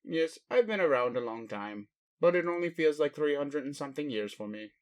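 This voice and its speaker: A man playing an ancient alien father in a roleplay audio, speaking formally with pauses to his adopted human, fond and bemused. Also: a little high, animated, natural voice. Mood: earnest. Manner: slow, formal phrasing with pauses, addresses listener as human. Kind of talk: roleplay audio addressed to the listener.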